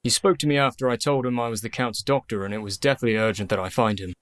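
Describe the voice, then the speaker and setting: An actor playing a methodical young doctor in a radio play, brisk and matter-of-fact. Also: male voice, medium pitch, steady tone, fairly bright tone, dry recording, lightly acted. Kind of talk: community radio play acting.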